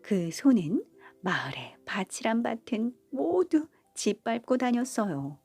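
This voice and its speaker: A woman reading a bedtime folk tale in a gentle, motherly storytelling manner. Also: mid-range voice, slightly rough, no echo. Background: faint background music.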